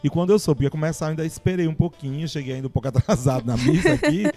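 A man's voice: a little high, big pitch swings, rapid-fire, mellow. A man hosting a casual podcast interview, asking friendly questions and adding short replies. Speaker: podcast host.

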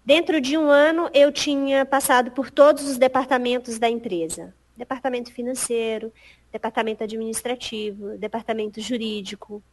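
A middle-aged woman, a guest in an interview, telling a story in a lively way and acting out past conversations. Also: on the high side, normal speed, a little hiss or hum. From Piauí, Brazil. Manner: acts out past conversations, animated.

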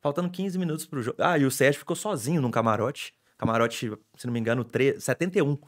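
A young adult man, a sports reporter telling stories in an excitable, animated way on a casual podcast. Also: mid-range voice, quick pace.

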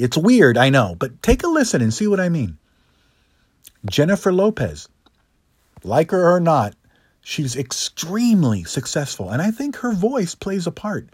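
A middle-aged man presenting a scripted lesson as a speaking coach, in a practiced higher register with deliberate phrasing and rhetorical asides. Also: darkish tone, breathy edge, no echo, studio quality. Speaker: public speaking coach, host. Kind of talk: scripted instructional monologue.

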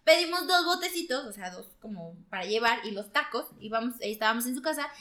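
A young adult woman with a Mexican accent, telling stories in casual chat, animated and quick to laugh and exclaim. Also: a little high. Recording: echoey room.

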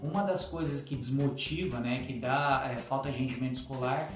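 A man's voice: mid-range voice, fairly even intonation, fairly quick. A Brazilian man, a guest educator, speaking informally with slang and asides in a casual conversation about teaching children. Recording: distant mic in echoey room with music.

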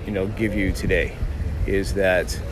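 A man's voice: low voice, little pitch movement, measured pace, music in the background. A middle-aged American man from Miami hosting a casual, conversational podcast monologue outdoors. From Miami, United States. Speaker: podcast host, doctor. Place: outdoors by a busy city street. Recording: outdoor street noise, passing cars. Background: traffic and urban ambience.

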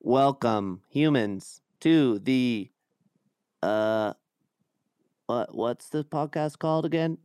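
A man's voice: medium pitch, takes it slowly, long pauses, darkish tone, clean tone, dry recording, studio quality, natural voice. A man putting on a glitching robot voice. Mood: robotic greeting. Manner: glitching robot voice that beeps and cries error. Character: forgetful glitching male robot greeter. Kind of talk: comic podcast bit.

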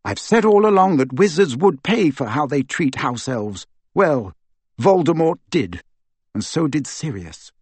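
A man's voice: a little high, sing-song, a little slow, slightly rough, dry recording, voice pushed up, heavily acted. A man voicing an earnest, clever teenage girl witch who insists on her point, in a raised voice. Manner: insistent, lecturing.

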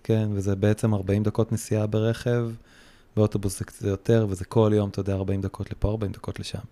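A man in his thirties or forties, a podcast guest, talking casually and haltingly with many restarts. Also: on the low side, little pitch movement, mellow. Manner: hesitant, many restarts and fillers. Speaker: guest, surfboard repairer.

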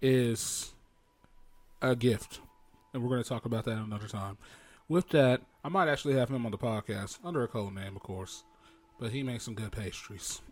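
A man's voice: moderate pace, a little mellow. Male podcast host, casual and playful, loose conversational delivery. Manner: joking, playful, sings snatches in falsetto. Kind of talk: casual chat.

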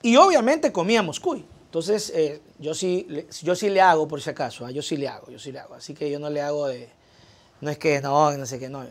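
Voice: medium pitch, brisk. A co-host, telling a family story in casual chat. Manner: chatty, anecdotal.

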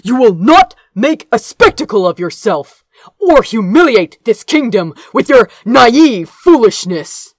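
A woman plays an arrogant royal older brother in a fantasy storybook. He is stern and condescending, with clipped commands and forceful, swinging intonation. The recording is close and dry. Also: a little high, big pitch swings, a little slow, no room sound, pitched above the performer's own voice. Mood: thundering fury.

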